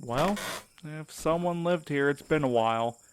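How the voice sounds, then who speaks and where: A man's voice: a little high, unhurried, background noise, lightly acted. A man playing a wary, sarcastic night courier in an audio drama, with a wry, informal way of talking. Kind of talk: naturalistic audio drama acting.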